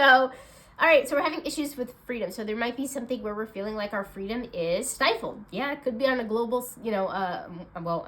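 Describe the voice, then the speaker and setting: Stuffed-up, nasal, chatty woman. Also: mid-range voice. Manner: bubbly, chatty, many fillers, bursts of excitement. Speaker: intuitive card reader. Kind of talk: casual tarot reading chat.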